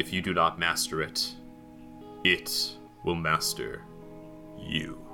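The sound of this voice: Putting on a character voice, a man speaks slowly in a low, bright, sharp tone with little pitch movement, faint music playing in the background.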